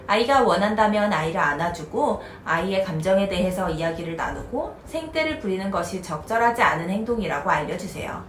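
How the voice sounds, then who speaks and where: A woman in her thirties calmly explaining parenting advice as the host of an educational video. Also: medium pitch, slight background noise. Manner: calm, even, instructive. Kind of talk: scripted explanatory narration. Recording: roomy echoey recording.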